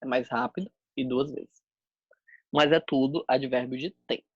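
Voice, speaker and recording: Gravelly man teaching a class. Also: mid-range voice, steady tone, normal speed, dry recording, highs cut off. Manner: explains step by step while demonstrating signs. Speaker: sign language teacher. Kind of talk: online class explanation.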